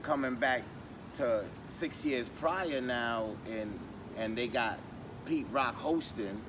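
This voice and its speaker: A man's voice: medium pitch, slow. A New man talking from far off on a noisy street. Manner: rambling, many ums and restarts. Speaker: podcast guest. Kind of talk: casual storytelling chat. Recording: distant mic, street noise.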